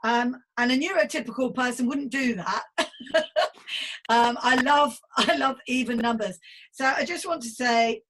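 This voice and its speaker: A woman's voice: fairly high pitch, unhurried, a bit bright. A woman in her fifties hosting a casual conversational podcast interview in an effusive, chatty, playful way. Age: 50s. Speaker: podcast host.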